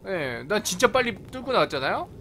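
A man's voice: high-pitched, very animated, fairly quick, bright, forceful tone, a little hiss or hum. A man giving casual live commentary on a video game, playful and exclamatory, talking back at the characters. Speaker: gaming video host. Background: video game sound.

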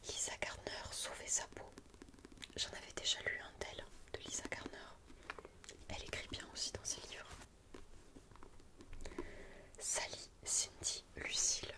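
A young adult woman with a French accent, speaking in a hushed, breathy ASMR library whisper close to the microphone. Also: normal speed. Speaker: ASMR video host. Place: quiet indoor room. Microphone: close studio mic with furry windscreen.

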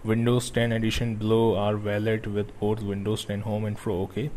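A young man who is not a native English speaker, talking through a computer tutorial with grammar slips and frequent pauses. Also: lowish voice, monotone, a little mellow, a little hiss or hum. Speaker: tech tutorial host. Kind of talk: screen-recorded tutorial.

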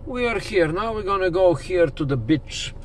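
A man's voice: high voice, animated, moderate pace. A man in his forties talking casually to his viewers while driving, pointing out houses and the map. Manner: chatty, addresses viewers as "people". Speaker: vlogger. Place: inside a moving car. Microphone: camera on the dashboard. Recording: car with road noise.

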